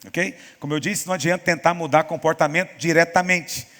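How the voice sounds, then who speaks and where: A man preaching as a pastor in a church teaching session, telling stories and acting out quoted voices with lively emphasis. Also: a little high, brisk, big-room sound. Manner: animated storytelling, acts out quoted voices.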